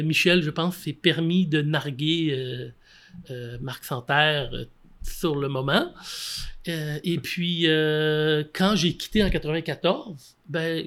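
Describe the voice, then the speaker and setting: A French-speaking man from Quebec, a football coach, telling stories in a casual interview, animated and full of fillers and restarts. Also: fairly high pitch. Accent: Québécois French.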